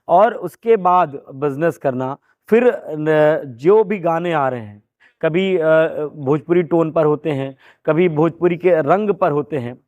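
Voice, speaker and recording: A man's voice: a little high, darkish tone, dry recording. A man hosting an interview, asking long formal questions with many hesitations, with a Bagheli-region Hindi accent. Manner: halting, many fillers, formal wording. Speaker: interviewer, host.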